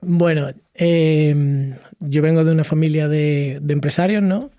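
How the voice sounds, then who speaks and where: A man from Cádiz in his thirties talks with animation as a podcast guest, with plenty of "eh" and restarts. His voice sits a bit high. The recording is dry and a little muffled, with faint music underneath. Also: a little slow, no echo. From southern Spain, Cádiz. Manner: animated storytelling with many fillers and restarts. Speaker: podcast guest, hospitality entrepreneur. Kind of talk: conversational interview.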